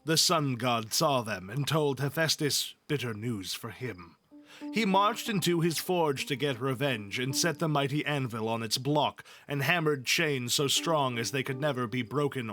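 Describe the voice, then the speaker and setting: A man's voice: medium pitch, a bit bright. A man reading epic poetry aloud as a storyteller, in an informal read-along style. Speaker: story reader.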